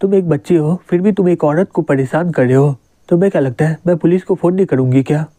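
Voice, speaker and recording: A man reads a touchy woman in her late thirties in a manga recap. She scolds indignantly. The voice is mellow, a bit high, and dry. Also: fast talker, no echo, lightly acted.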